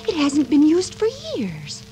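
A woman's voice: high voice, big pitch swings, measured pace, warm tone, soft background music. An actress playing a frightened young woman who talks anxiously and pleadingly, in 1940s radio acting.

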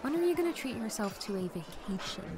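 A woman in her twenties playing a lively, teasing young influencer friend in an audio drama, with music under her voice. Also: on the high side, quick pace, a crowd in the background. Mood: chatty.

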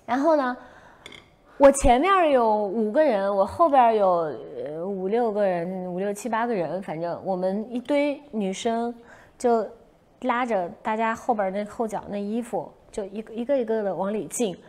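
A young woman hosting a casual livestream, telling a story in an animated way and acting out her own past shouts. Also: mid-range voice, moderate pace. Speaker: livestream host.

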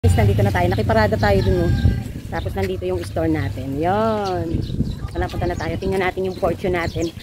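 Over heavy background noise, a middle-aged sari-sari store owner who vlogs speaks briskly in a fairly low voice. She chats casually with viewers, acting out dialogue in her stories and giving preachy but encouraging pep talks.

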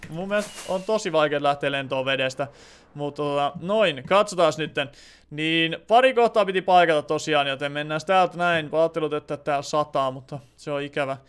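A man's voice: fairly high pitch, smooth. A young man chatting casually while he plays a building game on a live stream, thinking aloud and answering viewers' comments.

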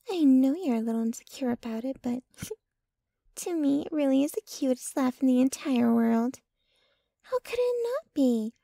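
A woman playing a possessive, jealous young girlfriend in an intimate ASMR roleplay, sweetly menacing, with a breathy voice that often drops to a whisper and a cooing, clinging manner. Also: high-pitched, dark tone, no room sound, clean studio sound, heavily acted. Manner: slow, cooing, clinging to the listener.

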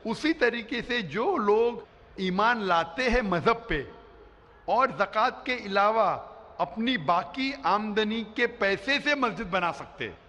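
A middle-aged male preacher with a fairly high, bright, forceful voice explains his points emphatically, again and again checking that the crowd follows him. He speaks into a stand microphone on a big arena stage, and a long hall reverb trails behind his words. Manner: emphatic, explanatory, often asks "you understand?". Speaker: Islamic preacher answering audience questions. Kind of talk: public question-and-answer lecture. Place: huge indoor arena stage before a large crowd.

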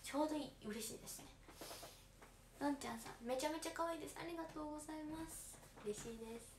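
A woman's voice: sits high, fast. A teenage girl with a Kansai accent chatting on a livestream, reading viewer comments aloud and politely answering them. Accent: Kansai Japanese. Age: late teens. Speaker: idol audition candidate livestreaming to fans. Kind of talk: casual livestream chat. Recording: roomy, faint background noise.

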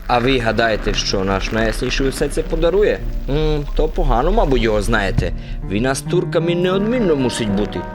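An actor playing a good-natured, simple-minded soldier who rambles naively and confidently in a radio play. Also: male voice, mid-range voice, big pitch swings, a little fast, close to an everyday voice. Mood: confident, excited. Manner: rambling, naive tavern philosophizing with confident pronouncements. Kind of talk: radio play character acting. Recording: music under the voice.

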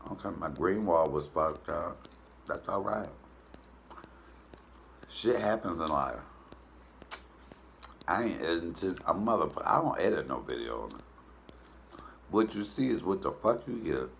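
A man's voice: low voice, expressive, a little slow, creaky, long pauses, fairly bright tone, a little hiss or hum. A man in his fifties talking casually on camera while chewing a mouthful of food, blunt and profane. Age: 50s. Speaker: mukbang vlogger. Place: indoors in front of a green wall.

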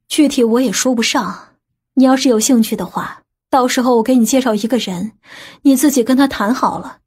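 A woman playing a confident, worldly aunt in an audiobook drama. Her voice sits fairly high with a breathy, husky grain, and she talks with matter-of-fact authority. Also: a little fast, darkish tone. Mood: persuasive.

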